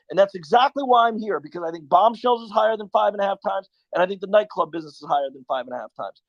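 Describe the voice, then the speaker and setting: High-voiced man arguing numbers, dull audio. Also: dry recording. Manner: argumentative, reels off figures, stammers. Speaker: debate guest. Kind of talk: bull versus bear debate.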